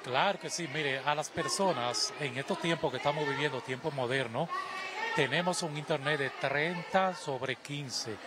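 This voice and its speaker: A man's voice: a little high, moderate pace, over a noisy crowd. A middle-aged Dominican man at an expo fair stand, inviting people in and promoting offers. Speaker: company employee. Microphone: interviewer's handheld mic. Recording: noisy fair hall.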